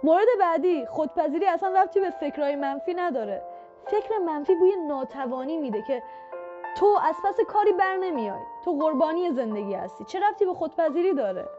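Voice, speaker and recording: A woman's voice: sits high, expressive. A woman speaking directly to the listener as a self-help speaker, coaching in a repetitive, encouraging way. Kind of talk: motivational talk to the viewer. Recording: muffled lo-fi audio with faint background music.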